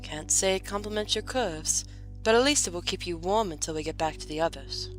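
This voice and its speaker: Music plays clearly behind a woman playing a young noblewoman in an audio drama. She speaks low, with formal, composed phrasing and a dry, gently teasing edge. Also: a little fast, lightly acted. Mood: dryly teasing. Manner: formal wording, dryly playful. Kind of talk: fan audio drama acting.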